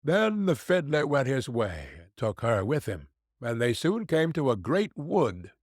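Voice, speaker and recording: A man's voice: mid-range voice, no room sound, studio quality. A man narrating a fairy tale audiobook, giving the characters' lines their own voices. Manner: slow, lively storytelling with voiced quotes.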